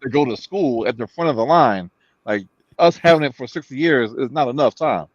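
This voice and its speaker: A man's voice: medium pitch, expressive, normal speed, slightly rough, no room sound. Blunt panelist, man, dull lo-fi recording. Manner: blunt, profane, teasing. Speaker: podcast panelist. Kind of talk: casual panel chat.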